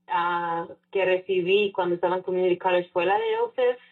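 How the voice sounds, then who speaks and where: A woman's voice: fairly low pitch, steady tone, brisk, breathy edge. A woman raised in the Chicago area, telling her own story as a guest in an interview, reflective and mixing in English phrases. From Chicago area, United States. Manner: reflective, with frequent fillers and English phrases mixed in. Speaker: scholarship recipient guest. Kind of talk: casual personal story in an interview. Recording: far-off tinny phone-like line.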